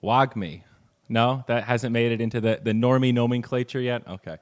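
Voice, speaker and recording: A man's voice: mid-range voice, normal speed. A man hosting a casual podcast, talking in a laid-back, slangy way. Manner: laid-back, slangy, uses "dude" and "bro". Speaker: podcast host.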